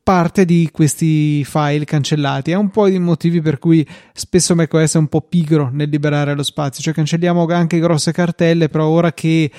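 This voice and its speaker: A man's voice: fairly high pitch, steady tone, normal speed, hardly any pauses, dark tone, no room sound, studio quality. A man with an Italian accent hosting a podcast, talking through tech matters in a conversational way. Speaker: podcast host. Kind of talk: conversational tech commentary, reading out listener mail.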